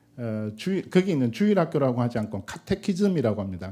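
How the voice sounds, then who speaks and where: A man's dark, mellow tone at a fairly quick pace, with very wide pitch swings. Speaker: professor, seminar speaker. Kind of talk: lecture. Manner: halting.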